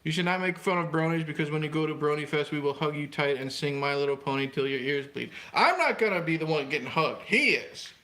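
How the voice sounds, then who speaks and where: A man's voice: fairly high pitch, quick pace, few pauses, bright, forceful tone. A man co-hosting a casual livestream, teasing his friend and laughing along. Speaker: livestream co-host.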